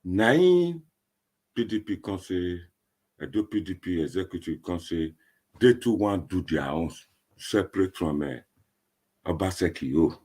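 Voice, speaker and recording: Male online commentator, deep and rough-voiced, Nigerian accent and Pidgin, informal, emphatic, repetitive delivery. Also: animated, a little slow, pauses often, a little mellow. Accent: Nigerian, speaking Nigerian Pidgin.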